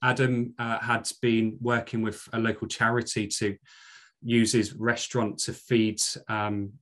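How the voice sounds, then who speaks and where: Middle-aged Scottish man, low voice, earnest podcast guest, full of fillers. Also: little pitch movement, unhurried, a bit bright. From Scotland. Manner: earnest, with frequent fillers and restarts. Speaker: guest, commercial director. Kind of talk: podcast interview.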